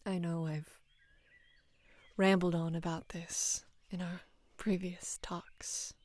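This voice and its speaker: A young woman playing a devoted, lovestruck female knight in an intimate roleplay audio, speaking in a hushed, breathy, halting and earnest way. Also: fairly low pitch, level tone. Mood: tender, devoted. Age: young adult. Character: devoted female knight, tender, anxious, in love with queen. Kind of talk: intimate roleplay audio, soft acted monologue.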